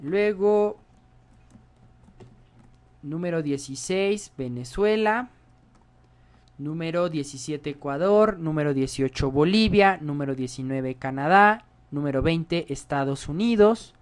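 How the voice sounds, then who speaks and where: A man's voice: fairly high pitch, expressive, slow pace, clear, resonant tone. A man giving a coding tutorial, explaining step by step and often checking in with viewers. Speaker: programming instructor.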